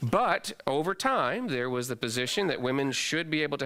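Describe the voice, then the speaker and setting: A man speaks with an American accent in a fairly high voice. Noticeable background noise runs underneath. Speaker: pastor. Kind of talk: lecture. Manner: fast.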